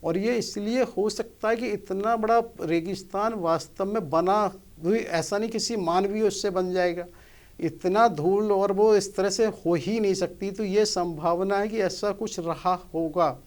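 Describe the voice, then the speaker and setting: High-voiced man explaining scripture. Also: a little mellow. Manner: earnest, explaining with rhetorical questions. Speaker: motivational speaker.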